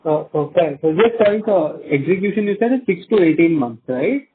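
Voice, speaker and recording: An Indian man, an investment analyst phoning into an earnings call, asking polite questions in hesitant, halting phrases. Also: on the high side, animated. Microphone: telephone. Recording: tinny phone line with faint noise.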